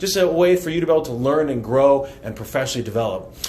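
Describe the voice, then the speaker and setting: A man with a fairly high pitch talks at a very fast pace with ordinary pitch variation. Noticeable background noise and audible room echo fill the recording. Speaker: talk show host. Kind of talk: video podcast host intro. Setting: studio. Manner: loud.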